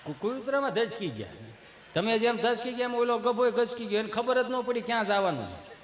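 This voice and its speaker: A man with a Kathiawadi Gujarati accent telling a comic folk story on stage in a lively, chatty way, laughing along with the crowd. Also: very high voice, a little fast, slight background noise. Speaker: stand-up comedian. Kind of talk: live folk comedy storytelling. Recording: echoey live hall recording.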